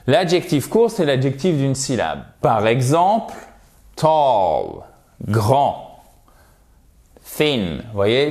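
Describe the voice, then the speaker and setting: A man's voice: mid-range voice, darkish tone. Man teaching English, stressing each word. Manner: emphatic, slows to model English words and stress. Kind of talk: recorded video lesson over slides.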